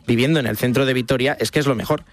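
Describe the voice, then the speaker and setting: A man's voice: mid-range voice, steady tone, rapid-fire, no echo. A young man from Spain, co-hosting a radio show, chatty and laughing often as he reads listener messages. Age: young adult. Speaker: radio co-host.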